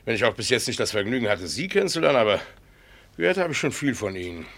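An actor playing a sly older painter uncle who teases with ironic charm in a radio play. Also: male voice, mid-range voice, sing-song, quick pace, gravelly, fairly bright tone, full character voice. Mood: mocking. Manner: teasing, ironic, playful.

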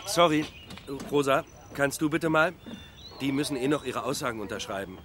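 An actor playing a brisk, insistent policeman in a German crime audio drama. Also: mid-range voice, expressive, very noisy, close to an everyday voice. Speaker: police officer.

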